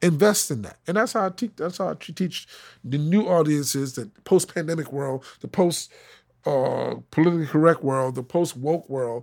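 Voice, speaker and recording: In a New York accent, a man with a fairly high pitch speaks at a moderate pace with lively intonation on a very clean recording with a silent background. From Brooklyn, New York. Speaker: comedian. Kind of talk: casual chat. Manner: halting.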